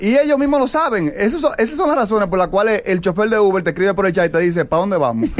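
A very fast pace with hardly any pauses, very even loudness and very wide pitch swings. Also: man. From Dominican Republic, Santiago (Cibao). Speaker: comedian. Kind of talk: comedic monologue. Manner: animated.

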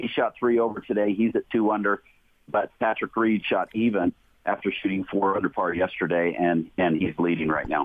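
A man speaks at a moderate pace in a normal speaking voice, his pitch fairly low. The pitch varies an ordinary amount and the loudness stays very even. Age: 60s. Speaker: golf radio host. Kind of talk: radio interview.

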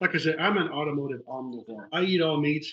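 A man talks in an unremarkable speaking voice. His pitch is fairly high, with ordinary pitch variation. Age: 60s. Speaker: automotive journalist and author. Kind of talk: casual interview. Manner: jokey.

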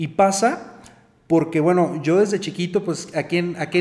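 In a normal speaking voice, a man talks at a moderate pace. His pitch is fairly high, with ordinary variation. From Mexico, Michoacán. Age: 30s. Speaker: hotel manager. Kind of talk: casual interview, storytelling. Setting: studio.

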